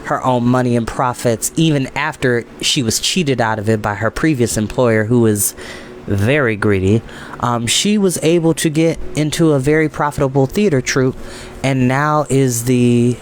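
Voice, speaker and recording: A man's voice: medium pitch, moderate pace, slight background noise. A man hosting a storytime, moving between casual, rambling chat and reading a story aloud. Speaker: host and storybook reader.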